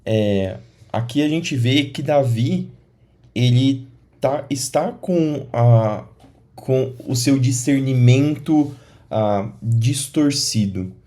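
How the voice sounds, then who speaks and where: A man with a Brazilian Portuguese accent giving informal commentary on a Bible passage, pausing and restarting his phrases. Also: mid-range voice, dark tone. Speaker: church commentator.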